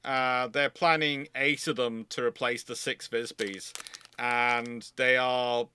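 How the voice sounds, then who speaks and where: A man hosting a casual live question-and-answer session, talking in a halting way and interrupting himself as he goes. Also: medium pitch, steady tone, sharp tone, a little hiss or hum.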